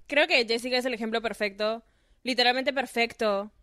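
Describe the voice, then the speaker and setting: Playful woman podcast host, fairly high voice. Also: steady tone, fairly quick, pushed and bright, no echo, clean studio sound. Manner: playful, piles on gushing compliments. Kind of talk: casual podcast chat.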